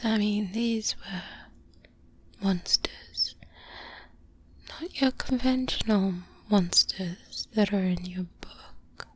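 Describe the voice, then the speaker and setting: A woman with a medium-pitched voice plays a seasoned, secretive vampire hunter mentor, wry and pragmatic, in a soft-spoken ASMR roleplay. She whispers slowly, hushed, breathy, and confiding, pausing often, on a close-up binaural mic with light background noise.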